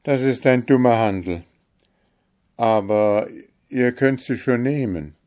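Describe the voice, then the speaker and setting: A man's voice: on the low side, animated, slow, a little mellow. A man voicing a young caliph under a spell, urgent and exclaiming, in a storybook reading. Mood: exasperated. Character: young caliph turned stork, eager and impatient.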